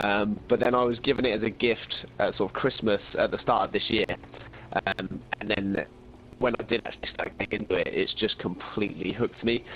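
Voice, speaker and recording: A man with an English accent at a fairly quick pace. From England, Northamptonshire. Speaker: gaming youtuber. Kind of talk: casual interview. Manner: hesitant, many fillers.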